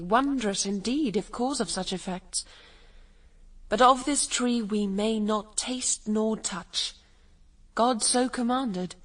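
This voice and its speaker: A woman's voice: mid-range voice, rough recording. Radio drama: innocent first woman, mid-range, earnest, trusting, formal verse delivery.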